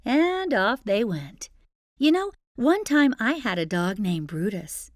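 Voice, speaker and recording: Animated, slow-spoken woman storyteller. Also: a little high, no echo, studio quality. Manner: gentle, expressive, with startled exclamations. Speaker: storyteller host. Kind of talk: children's story narration. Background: music.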